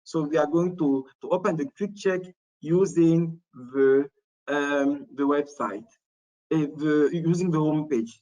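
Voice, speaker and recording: High-voiced man walking through a website. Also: warm tone, muffled recording. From Morocco. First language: not English. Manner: halting, many restarts and fillers. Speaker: webinar presenter. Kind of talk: screen-share demo talk.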